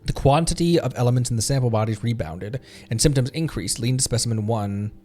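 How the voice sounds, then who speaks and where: A man streaming a game live, reading text aloud haltingly and adding his own commentary. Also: mid-range voice, mellow.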